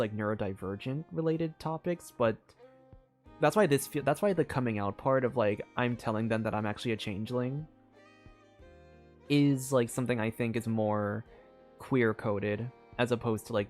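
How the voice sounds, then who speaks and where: A man's voice: mid-range voice, a little mellow. Rambling man streaming a game. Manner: rambling, many fillers and restarts, thinking aloud. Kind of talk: casual live game commentary.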